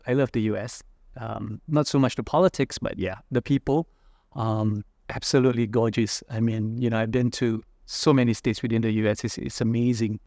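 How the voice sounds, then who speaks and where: A man's voice: medium pitch, vocal fry, darkish tone, no room sound, clean studio sound. A man from Indonesia, an entrepreneur being interviewed, talking reflectively with many fillers and "right?" tags. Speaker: entrepreneur guest. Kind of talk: casual interview talk.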